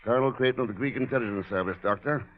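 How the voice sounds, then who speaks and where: A man plays a cool, dry-witted investigator in a 1940s radio thriller. His voice is mid-pitched and composed, with terse lines. The old recording is slightly muffled. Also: rapid-fire, lightly acted. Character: self-assured, dry-witted male investigator hero.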